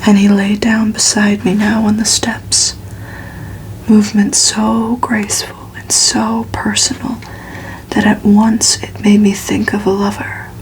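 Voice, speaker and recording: A woman reads a gothic novel aloud for ASMR in a soft, hushed whisper, narrating evenly. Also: medium pitch, a little hiss or hum, poor audio. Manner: slow, hushed, even narration. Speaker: ASMR reader.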